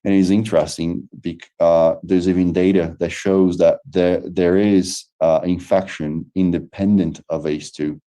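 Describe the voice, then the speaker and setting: This is a Brazilian man with a deep, dark voice that barely rises or falls. He answers questions hesitantly, with many fillers and self-restarts. He is speaking over a video call. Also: flat delivery, a little slow, hardly any pauses. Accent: Brazilian Portuguese. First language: Portuguese. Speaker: lecturer. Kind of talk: online lecture Q&A.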